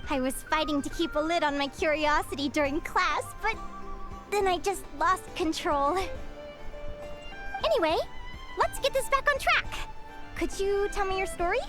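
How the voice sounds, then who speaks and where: A woman playing an eager young guild advisor, curious and upbeat, who lectures brightly and gushes with enthusiasm. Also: very high-pitched, animated, moderate pace, pauses often. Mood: gushing. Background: game music.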